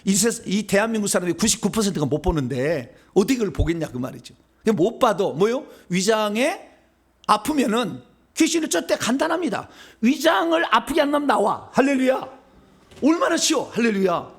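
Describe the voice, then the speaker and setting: A middle-aged man from Seoul preaching a sermon as pastor, in a conversational way that asks the congregation questions and answers them himself. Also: sits high.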